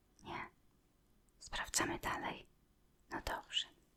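A woman whispers at a very slow pace. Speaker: ASMR creator roleplaying a perfume shop assistant. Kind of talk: ASMR roleplay, perfume shop consultation. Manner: soft-spoken, whispered.

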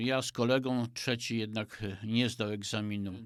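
Here a man talks at a very slow pace with fairly even intonation. The recording is very clean and the background silent. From Poland, Sandomierz area. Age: 60s. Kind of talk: personal testimony interview.

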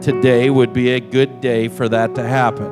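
Clear music plays in the background as a man talks. His delivery has a moderate pace and fairly even intonation. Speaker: visiting missionary preacher. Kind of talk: sermon. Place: church. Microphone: handheld.

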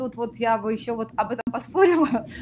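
Light background noise is present. A woman talks over it. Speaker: conference host. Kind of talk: conference moderation. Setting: video call. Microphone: video call.

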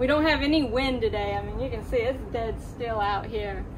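There is noticeable background noise behind this woman. Her voice is high, with ordinary pitch variation. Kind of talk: casual vlog chat. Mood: cheerful, relaxed. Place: street.

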